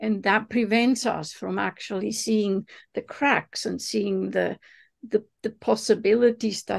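At a very slow pace, a woman speaks with vocal fry at a fairly high pitch against a quiet background. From Europe, Italian family. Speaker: developmental psychology researcher. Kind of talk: casual chat.

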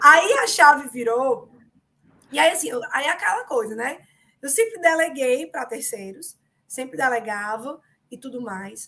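A woman with a high pitch speaks in a raised, projected voice with a bright, sharp, animated tone, very wide pitch swings and big swings in loudness, at a fairly slow pace with long, frequent pauses. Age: 30s. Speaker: beauty content creator. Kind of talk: casual chat.

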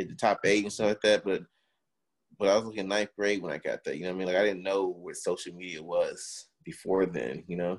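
A man speaks with a fairly low pitch and an American accent. His is an unremarkable speaking voice. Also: ordinary pitch variation, fairly quick pace. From Miami, US. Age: 30s. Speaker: podcast guest. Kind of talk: casual chat. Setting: video call.

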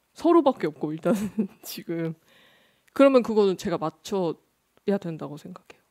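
Big swings in loudness and long, frequent pauses mark this dark, mellow voice. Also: woman, medium pitch for a woman, lively intonation, moderate pace. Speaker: studio manager. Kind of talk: casual chat. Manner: trails off, hesitant.

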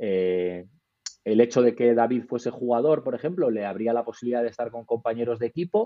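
A man's medium-pitched voice moves fairly quickly, with ordinary variation in pitch. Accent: Basque. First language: Basque (speaking Spanish). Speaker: basketball coach. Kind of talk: casual interview.

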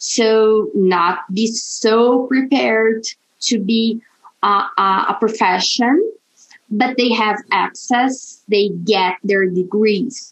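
Speaking at a very slow pace, a woman with a Brazilian accent uses a fairly high pitch, ordinary pitch variation and very even loudness. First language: Portuguese. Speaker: online course creator, ABA educator. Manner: halting.

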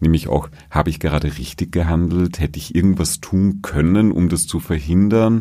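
A man's very deep, low voice carries a dark, mellow tone, moving at a moderate pace with ordinary pitch variation. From Austria, Kaprun in Pinzgau (Salzburg). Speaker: theatre director. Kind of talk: interview.

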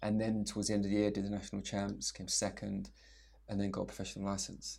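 Very fast-paced speech in a South London accent. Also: man. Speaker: retired pro triathlete and coach. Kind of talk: casual chat.

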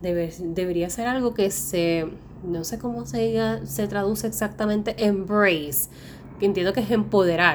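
In a room with audible echo, a woman talks fairly slowly with lively intonation. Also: fairly low pitch for a woman. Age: 20s. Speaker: podcast host and life coach. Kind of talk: reflective solo podcast monologue.

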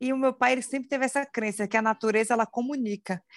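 A woman's high voice at a fairly quick pace, dry and close with no echo, over a quiet background. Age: 30s. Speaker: podcast co-host, architect. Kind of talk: casual chat.

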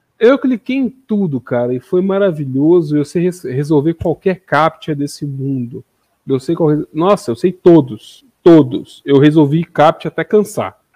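Lively intonation marks an unremarkable speaking voice that moves at a fairly slow pace. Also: man, fairly high pitch for a man. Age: 40s. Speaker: podcast co-host. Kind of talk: casual chat.

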